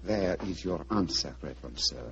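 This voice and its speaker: Sherlock Holmes, a calm and probing detective, speaks in a low, measured voice. His courtesy carries a firm insistence. The sound is dull and lo-fi, like an old radio broadcast recording. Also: a little hiss or hum. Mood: determined. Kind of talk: 1940s radio drama acting.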